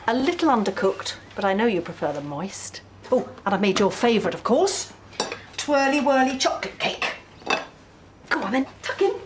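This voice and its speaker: An actress in a TV drama playing a fussy, doting middle-aged mother who gushes and turns shrill. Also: sing-song, moderate pace, noisy background. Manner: gushing, then shrill. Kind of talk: TV drama acting.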